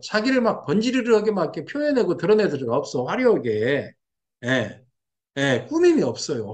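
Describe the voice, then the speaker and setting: A middle-aged man giving an explanatory lecture on old texts, repeating each term and acting out reactions in lively asides. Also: high voice. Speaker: lecturer on classical fortune-telling texts. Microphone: seen on camera.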